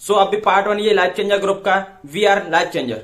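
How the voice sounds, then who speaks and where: A man's voice: high voice, moderate pace, a bit bright. A nineteen-year-old man from Madhya Pradesh giving a matter-of-fact testimonial about his business. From Madhya Pradesh, India. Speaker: network marketing member. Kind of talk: testimonial self-introduction. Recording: echoey room.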